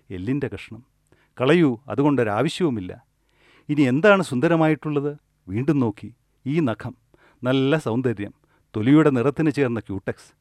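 A man giving a spiritual discourse as a meditation teacher. He speaks in a measured way, repeats key phrases and asks rhetorical questions. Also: medium pitch, a little mellow, no echo, clean studio sound.

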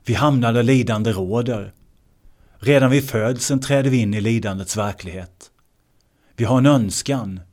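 Man giving a measured meditation discourse. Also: medium pitch, darkish tone. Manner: measured, repeats key words. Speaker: meditation teacher.

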